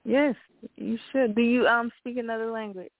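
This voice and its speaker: A woman hosting a radio interview, asking questions in a casual way and answering with quick affirmations. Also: a little high, fairly even intonation, no room sound. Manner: warm-up questions, affirming replies. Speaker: radio host. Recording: tinny dry phone line.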